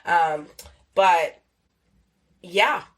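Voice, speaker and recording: A young adult woman hosts a casual solo podcast, rambling extremely slowly at a fairly low pitch. She uses lots of fillers and swearing and sounds a little nasal and sniffly from a cold.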